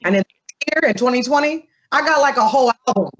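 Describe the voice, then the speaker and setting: A young adult woman answering interview questions in a casual, animated way, telling stories with asides to the listener. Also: sits high, fast talker, low-quality recording. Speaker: interview guest.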